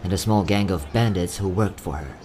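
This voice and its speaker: A man playing a courteous, quietly sad young travelling merchant in a fantasy audio drama, speaking in polite, theatrical salesman's patter. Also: sits low, fairly quick, a little hiss or hum, lightly acted. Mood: earnest. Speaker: voice actor.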